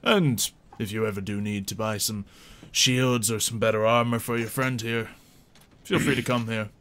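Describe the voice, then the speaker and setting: A man playing a shrewd, polite blacksmith haggling in a measured, formal way in a tabletop roleplay. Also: fairly low pitch, steady tone, a bit bright. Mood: polite, firm.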